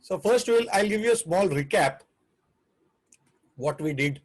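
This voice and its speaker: A man with an Indian English accent leads a live online coaching session on running a food business. His voice sits a little high, and he talks earnestly but loosely, breaking off and restarting sentences as he goes. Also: lively intonation, measured pace. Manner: earnest, rambling with frequent restarts and fillers.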